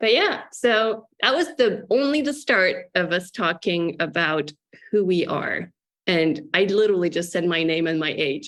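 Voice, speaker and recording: A woman with a normal speaking voice, medium-pitched, at a fairly slow pace with lively intonation. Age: 30s. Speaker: eating disorder recovery coach. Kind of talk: casual chat.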